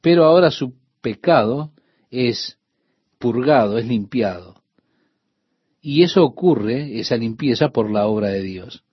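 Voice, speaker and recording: A man preaching a radio sermon, speaking straight to the listener and slowing down to stress key points. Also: mid-range voice, animated, husky, dry recording. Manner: addresses the listener directly, slows for emphasis. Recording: dull dry radio recording.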